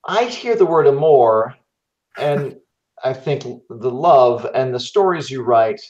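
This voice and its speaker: A man's voice: medium pitch, lively intonation, slow pace, darkish tone. A man co-hosting a podcast in casual conversation, recorded with a dull, roomy sound. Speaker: podcast co-host. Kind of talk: casual chat.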